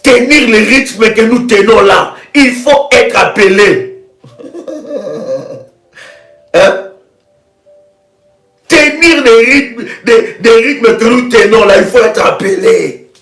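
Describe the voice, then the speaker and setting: High-voiced fervent male preacher. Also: slow pace. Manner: fervent, repetitive declarations, sometimes shouting. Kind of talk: live prayer broadcast sermon. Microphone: live video stream. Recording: echoey room with soft music.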